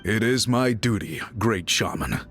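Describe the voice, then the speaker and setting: A man's voice: on the low side, animated, a little slow, fairly bright tone, faint music behind. A man playing a courteous, dutiful tribal chief in a video game, speaking formally and with deference. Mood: earnest, solemn. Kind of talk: scripted game dialogue.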